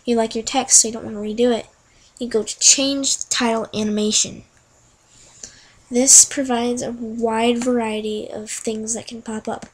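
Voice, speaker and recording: Breathy woman narrating a software tutorial. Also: on the high side, flat delivery, normal speed, rough recording. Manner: chatty, talks through each click as she goes. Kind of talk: casual screen-recorded software tutorial.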